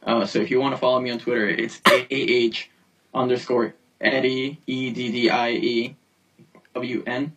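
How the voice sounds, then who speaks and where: A man's voice: medium pitch, flat delivery, normal speed, a bit bright, husky, recorded from a distance, dull audio. A man co-hosting a casual podcast chat, hesitant with many fillers, his call voice replayed through a speaker and picked up by a phone held up to it. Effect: remote call voice replayed through a speaker and picked up by a phone. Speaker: podcast co-host.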